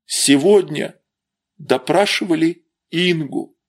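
A man's voice: fairly high pitch, slow pace, pitched above the performer's own voice. A man voicing a shaken young boy who answers his mother in short, subdued replies.

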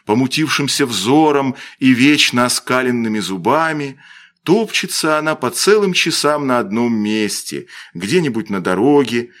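A man reading a classic story aloud in slow, expressive literary narration. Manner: slow, expressive reading with wide pitch movement.

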